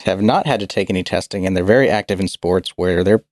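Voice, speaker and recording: 低沉男声，说话结巴、没精神. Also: male voice, darkish tone, no echo, clean studio sound. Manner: halting, stuttering, low-energy. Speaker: podcast co-host. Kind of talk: casual chat.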